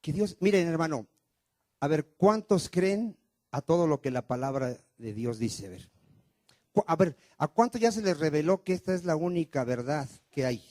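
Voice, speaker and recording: A man's voice: on the high side, animated, normal speed, warm tone, dry recording. A man preaching a sermon as pastor of a church, firing rhetorical questions at the congregation and calling for responses.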